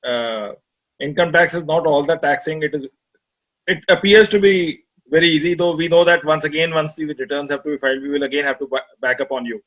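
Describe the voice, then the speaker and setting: A man's voice: on the high side, fairly even intonation, brisk, a bit bright. North Indian man moderating over muffled call. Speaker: moderator of an online seminar. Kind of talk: polite spoken hosting. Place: online video call. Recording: dull lo-fi online call audio.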